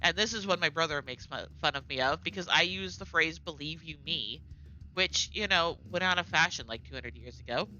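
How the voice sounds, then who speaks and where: A middle-aged American woman with a general American accent streams a game, chatting casually and rambling with many asides. Her voice is low-pitched and brisk, sounding pushed and bright, and the recording has its highs cut off.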